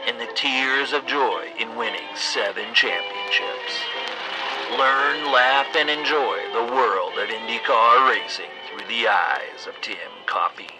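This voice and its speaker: A man's voice: medium pitch, slow, rough recording. A man narrating a scripted podcast promo in a punchy, dramatic way. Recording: loud music bed.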